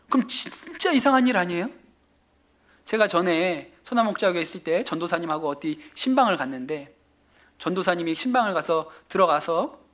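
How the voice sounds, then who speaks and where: Man, pastor, sermon, church, lively swinging pitch, acts out quotes. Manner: animated storytelling with acted-out quotes. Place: church sanctuary.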